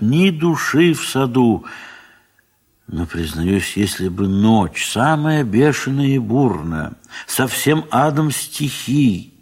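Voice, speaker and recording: A man narrating a literary audio play in an expressive, measured theatrical manner with deliberate pauses. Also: fairly low pitch, husky. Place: recording studio.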